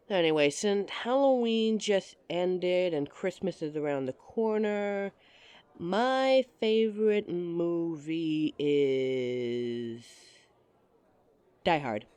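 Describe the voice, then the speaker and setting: Playful woman with a lively, teasing voice. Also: on the low side, takes it slowly, long pauses, clear, resonant tone, dry recording. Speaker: audio roleplay performer. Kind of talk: scripted roleplay monologue to a listener.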